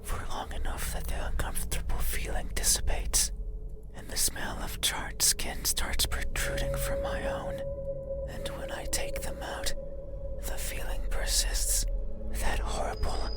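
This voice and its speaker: An actor as a slowly whispering, eerie demon. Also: lightly acted. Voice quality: breathy whisper. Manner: slow, intimate, unsettling. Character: soft eerie shy demon, careless and morbidly curious. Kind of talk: whispered ASMR-style game character monologue.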